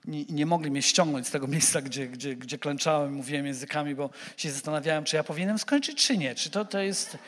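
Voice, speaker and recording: A man preaching a sermon who speaks straight to the congregation, animated and repeating words as he stumbles. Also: a little high, brisk, few pauses, big-room sound.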